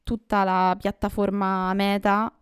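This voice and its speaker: A woman co-hosting a casual podcast, weighing her points with frequent pauses and fillers. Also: medium pitch, little pitch movement, clean tone. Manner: thoughtful, hesitant, many fillers. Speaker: podcast co-host. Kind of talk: casual news chat.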